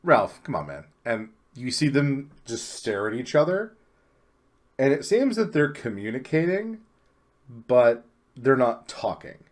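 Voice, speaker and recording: A man narrating as game master in a relaxed, rambling way. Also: mid-range voice, a little slow.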